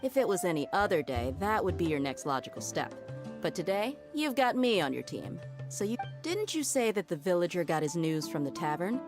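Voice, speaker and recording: Low-voiced streetwise desert mercenary. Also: female voice, big pitch swings, fairly quick, music in the background. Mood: confident. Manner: folksy, self-assured, explanatory. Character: shrewd, streetwise female desert mercenary, confident and easygoing. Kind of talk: video game voice acting.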